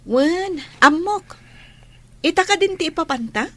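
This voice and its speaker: High-voiced, sympathetic teenage schoolgirl acted by a woman. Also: animated, a little slow, sharp tone, full character voice. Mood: playful, agreeable. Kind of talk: Ilocano radio-style drama acting.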